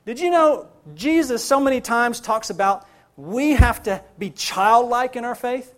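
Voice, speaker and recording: A man's voice: extremely high pitch, measured pace, fairly bright tone. A man preaching a sermon as pastor, building emphasis and repeating phrases for stress.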